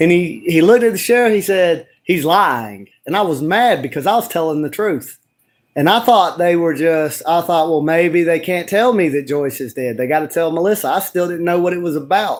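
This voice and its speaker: A man with a Southern US accent, high-pitched, at a moderate pace with lively intonation, on a very clean recording with a silent background. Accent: Southern US (Georgia). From US South, Georgia. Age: 30s. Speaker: livestreamer, manual laborer. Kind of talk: casual livestream storytelling. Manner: casual, halting with self-corrections.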